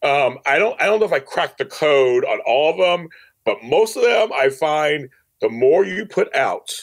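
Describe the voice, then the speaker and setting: A man with a slightly high, expressive voice talks at normal speed as a podcast guest. He produces and directs audio dramas and speaks casually yet emphatically, frequently repeating phrases and acting out quotes.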